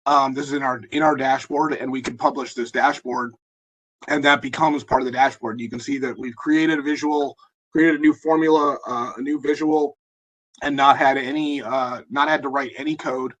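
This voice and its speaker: A man with a hoarse, husky voice presenting a live software demo in a webinar, talking in a halting way with many fillers and restarts. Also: mid-range voice, fairly even intonation, dull audio. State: hoarse, losing his voice.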